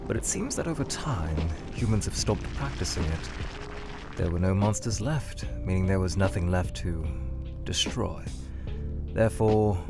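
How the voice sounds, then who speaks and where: A man playing a weary, scholarly monster scientist trapped in a void, speaking in a measured, halting, brooding way that trails off, in a fan audio drama. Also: sits low. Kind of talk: fan audio drama, in-character answers to questions.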